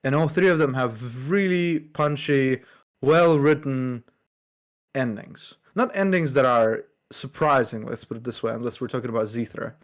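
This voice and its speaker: A man co-hosting a podcast, giving a thoughtful, measured review of a story with casual fillers. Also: mid-range voice. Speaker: podcast co-host. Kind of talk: casual book discussion.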